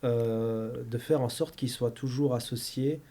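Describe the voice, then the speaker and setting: A man's voice: medium pitch, fairly even intonation, a little slow, dark tone. A man hosting a podcast, asking polite questions with many filler sounds. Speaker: podcast host. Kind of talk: interview questions.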